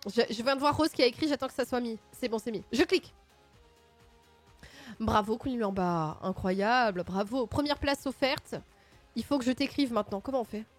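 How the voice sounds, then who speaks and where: A woman hosting a livestream in casual chat, playful and expressive with sudden excited outbursts. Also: on the high side, moderate pace. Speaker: livestream host. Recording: faint music in the background.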